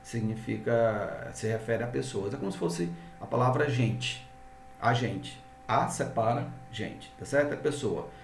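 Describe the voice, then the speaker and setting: A man's voice: medium pitch, gravelly, roomy sound, recorded from a distance, slight background noise. A man with a Brazilian Portuguese accent, an English teacher explaining grammar step by step and often checking in with his students. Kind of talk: grammar lesson.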